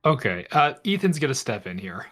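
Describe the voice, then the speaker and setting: A man's voice: mid-range voice, very animated, fairly quick, a bit bright. A man playing a tabletop role-playing game, chatting casually and describing his character's moves.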